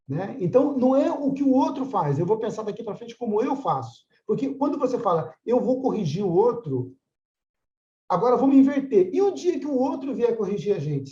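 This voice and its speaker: An older man with a high voice and dark tone mediates a religious study class, speaking conversationally and frequently asking "right?" of his listeners. The audio is dull, with a roomy sound.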